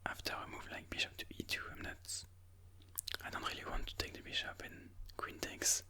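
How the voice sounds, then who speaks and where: In a sharp-toned, breathy whisper with no voice behind it, an ASMR host walks through a chess game, explaining the moves slowly and with care.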